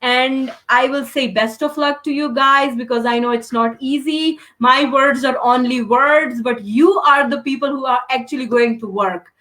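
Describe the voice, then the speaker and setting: A woman's voice: high voice, moderate pace, hardly any pauses, a bit bright. A young woman from Pakistan, a master's student answering interview questions earnestly with frequent fillers.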